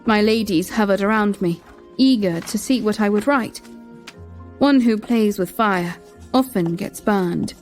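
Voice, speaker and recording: A young woman narrating in first person as a queen, measured and reflective. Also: medium pitch, a little mellow. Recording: music bed behind.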